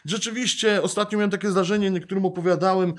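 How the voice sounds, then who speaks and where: High-voiced earnest man preaching. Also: fairly even intonation, fast talker. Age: adult, father of young children. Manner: earnest, repetitive emphatic phrasing. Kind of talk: sermon.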